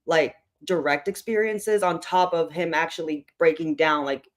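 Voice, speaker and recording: A hoarse book club host with a tired voice, chatting loosely with many fillers while opening an online meeting. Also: medium pitch, steady tone, moderate pace.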